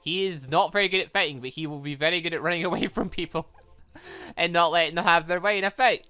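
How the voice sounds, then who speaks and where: An excitable gaming YouTuber reading a visual novel aloud and commenting on it in an animated, exclaiming manner. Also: medium pitch, fast talker, clear, resonant tone. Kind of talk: let's play commentary mixed with reading dialogue aloud. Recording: music behind the voice. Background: video game music.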